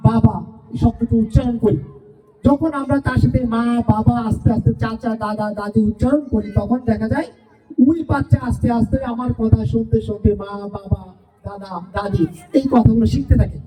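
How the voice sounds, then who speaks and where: A woman's voice: on the high side, dark tone. A woman teacher gives a farewell speech to parents, asking rhetorical questions and repeating her points. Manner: asks the audience rhetorical questions, repeats phrases. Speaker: school teacher addressing parents. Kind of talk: farewell speech at a school event. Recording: distant voice from far off.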